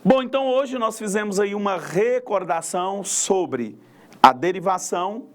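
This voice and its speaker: A man's voice: high voice, a little slow. A man with a Brazilian accent teaching a recorded adult-education language lesson, explaining step by step and often adding tag questions. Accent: Brazilian Portuguese.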